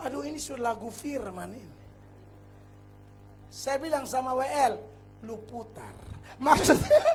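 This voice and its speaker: A male pastor preaching a revival sermon, telling a personal story with hushed asides and sudden shouts. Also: very high-pitched. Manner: animated storytelling, acts out scenes, shifts between hushed and shouting. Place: large revival meeting.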